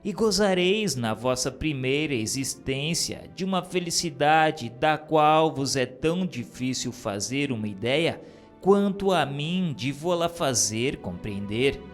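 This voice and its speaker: Slow, solemn man reading aloud. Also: on the high side, expressive, faint music behind. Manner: measured, solemn, deliberate phrasing. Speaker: reader of a spiritist book.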